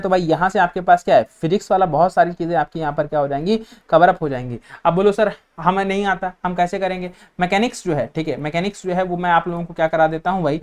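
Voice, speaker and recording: A man from India teaching an online exam-prep lecture, explaining directly to students and running through lists of topics while repeating a filler phrase as he goes. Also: high voice. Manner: lists topics, repeats "theek hai" constantly, mixes English terms.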